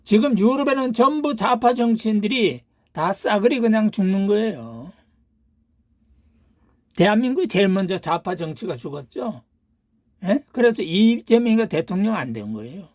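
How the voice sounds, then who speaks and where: Older woman host, political rant, husky and animated, throws out rhetorical questions and insults. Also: mid-range voice, no echo, studio quality. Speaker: channel host. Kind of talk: political monologue.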